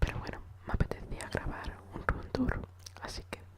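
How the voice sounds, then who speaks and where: Over noticeable background noise, a woman keeps up a moderate pace while whispering. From Extremadura, Spain. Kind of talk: ASMR room tour. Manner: soft-spoken, whispered.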